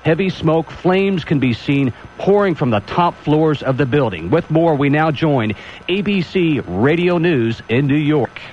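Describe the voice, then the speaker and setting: A man anchoring a breaking news bulletin on local radio, speaking in a measured, steady way, heard with a tinny sound like a clock radio. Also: on the high side. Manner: measured, steady delivery with a few restarts. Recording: dull lo-fi radio broadcast with faint hiss.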